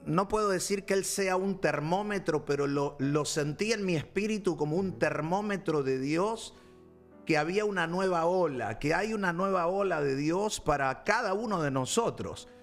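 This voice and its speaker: A man's voice: high voice, normal speed, soft background music. A man hosting a Christian talk show as a pastor, speaking in a preachy, rambling way with fillers and restarts. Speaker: pastor and program host.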